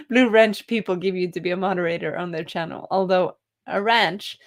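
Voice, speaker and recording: A woman's voice: on the low side, moderate pace. A young woman hosting a writing live stream, reading chat comments aloud in a cheerful, giggly way.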